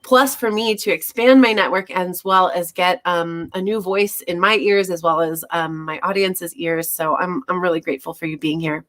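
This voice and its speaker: A woman's voice: fairly low pitch, fairly even intonation, normal speed, hardly any pauses, fairly bright tone. A young woman hosting a casual livestream interview, upbeat and effusive, on a weak connection. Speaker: podcast host.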